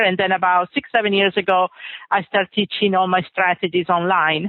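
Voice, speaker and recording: A woman with a slight Italian accent talks at a fairly quick pace with fairly even intonation. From Italy, Venice. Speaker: real estate coach and investor. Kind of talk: interview. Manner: hesitant fillers.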